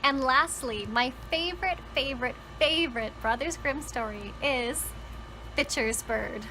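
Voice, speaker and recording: With a high, unhurried voice over background music, this book vlogger and storytelling channel host talks to viewers in a relaxed, excited way. She keeps it conversational and leans on words to emphasize them.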